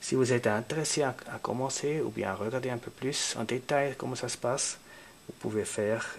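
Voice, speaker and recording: At a moderate pace, a man with a non-native accent speaks at a medium pitch. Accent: noticeable non-native French. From Switzerland, German-speaking. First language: Swiss German / German (speaking French). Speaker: university program coordinator. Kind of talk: informational presentation with screen walkthrough. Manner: halting, many hesitations.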